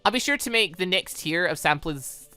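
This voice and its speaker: A woman voicing an earnest, clinical robot girl in a game, with precise, formal, measured speech. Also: on the low side, animated, bright, forceful tone, no echo, faint music behind.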